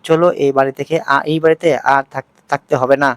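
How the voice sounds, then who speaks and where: A man's voice: mid-range voice, little pitch movement, brisk, clear, resonant tone, dry recording, close to an everyday voice. A man voicing a furious young husband. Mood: angry. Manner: shouting, commanding. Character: angry young husband defending his wife.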